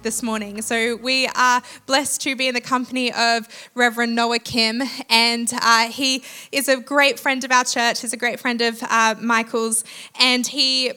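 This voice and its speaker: A woman with a bright, clear voice introduces the guest speaker at a church service. Her pitch sits a little high, and she pauses often between her thoughts. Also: little pitch movement. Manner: warm, with frequent "uh" pauses, slows for scripture. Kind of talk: introduction and scripture reading.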